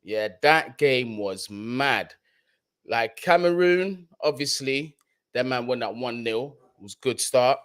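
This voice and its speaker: A man's voice: medium pitch, slow, a bit bright. A young man from London with a London accent, hosting a live football stream in slangy, chatty talk and often repeating his points. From London, England. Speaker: football channel host. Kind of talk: casual live-stream chat.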